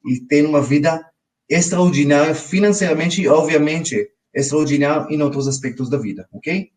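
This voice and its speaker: A man's voice: a little high, moderate pace, darkish tone, distant mic. A man in his forties with an Israeli accent, teaching a live financial webinar and often checking in with his viewers. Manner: talks straight to his audience, often checking in with "ok?". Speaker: financial educator.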